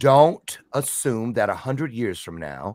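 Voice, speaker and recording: With an animated tone and lively intonation, a man talks at a medium pitch in a dry, close sound with no echo. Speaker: spiritual coach, show host. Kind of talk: casual chat.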